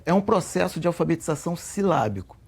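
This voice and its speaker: Gravelly, husky Brazilian man. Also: on the high side, lively intonation, a little mellow. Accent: Brazilian Portuguese. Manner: measured, repeats key points. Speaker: guest, co-author of a literacy method. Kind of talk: interview answers.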